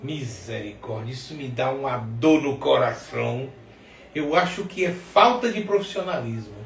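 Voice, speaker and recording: A man's voice: mid-range voice, lively intonation, moderate pace, vocal fry, slight background noise. A man with a northeastern Brazilian accent hosting a podcast in casual, opinionated conversation. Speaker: podcast host. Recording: roomy echo, distant mic.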